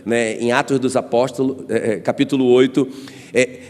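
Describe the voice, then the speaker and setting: A man's voice: mid-range voice, steady tone, normal speed, a little mellow. A man from Brazil, a pastor preaching a sermon with personal stories and calls for the congregation to respond. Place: church hall. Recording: long church hall reverb.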